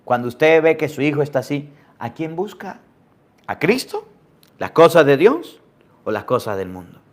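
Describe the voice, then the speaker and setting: A man preaching a sermon, asking the listeners question after question and dropping suddenly to a hush. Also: a little high, big pitch swings, normal speed. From Venezuela. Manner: emphatic preaching with rhetorical questions and sudden drops to near-whispers. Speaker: priest.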